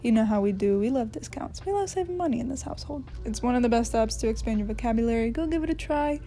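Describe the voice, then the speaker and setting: A chatty young woman in her twenties talks straight to the camera from her living room, her voice sitting a little high. She is animated and excitable, with lots of filler words. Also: fast. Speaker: language-learning vlogger. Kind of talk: casual chat to camera.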